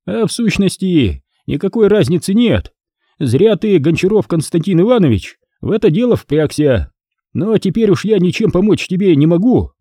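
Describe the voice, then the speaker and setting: A man's voice: sits high, very animated, moderate pace, dark tone, no echo, clean studio sound, voice pushed up, exaggerated voice. A man voicing a sneering, menacing crime boss who taunts his captive. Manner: taunting, barked threats and sly mockery.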